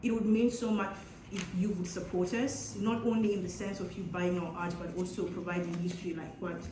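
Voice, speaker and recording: A woman's voice: lowish voice, fairly even intonation, brisk. A young woman speaking as an author on a festival panel, earnest, with frequent ums and restarts. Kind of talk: panel talk at a book festival. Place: event hall. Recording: echoey hall, background noise.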